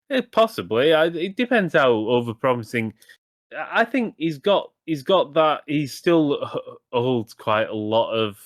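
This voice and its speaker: A man's voice: medium pitch, no room sound. Guy rambling about games on a podcast, restarts a lot, mid voice, dry. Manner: rambling, self-correcting, swears casually. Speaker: podcast co-host. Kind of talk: casual gaming podcast chat.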